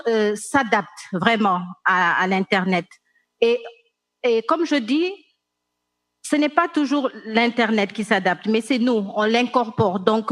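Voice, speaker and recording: A woman with a Senegalese accent giving measured, explanatory remarks as a panelist in a discussion. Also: a little high, fairly bright tone, dry recording.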